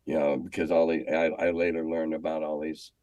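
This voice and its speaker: Deep-voiced older American man telling stories. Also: little pitch movement, brisk, a little mellow, no room sound, muffled recording. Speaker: guest, former schoolteacher. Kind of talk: casual storytelling interview.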